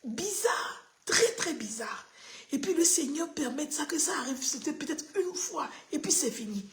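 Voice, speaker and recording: A woman pastor preaching a personal sermon, moving from hushed confiding to excited high exclamations and repeating phrases for emphasis. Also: moderate pace. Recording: echoey room.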